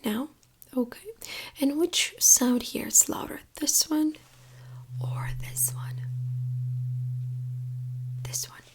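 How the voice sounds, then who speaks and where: A woman softly whispering in an ASMR medical exam roleplay, giving slow, gentle, attentive instructions as the examiner. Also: high-pitched, huge pitch swings. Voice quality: soft breathy whisper.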